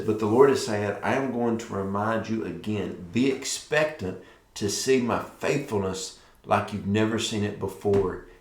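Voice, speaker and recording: In a noticeably echoey room, a middle-aged man with a fairly low voice gives a devotional prophetic talk, sharing and commenting as a ministry leader. Fresh stitches from dental surgery leave his mouth sore, so his speech comes out careful and slightly impeded.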